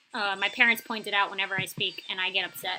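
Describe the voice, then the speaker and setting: A woman with a New York accent at a medium pitch, talking at a very fast pace over noticeable background noise. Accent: mild New York. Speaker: YouTuber or streamer. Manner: casual, animated.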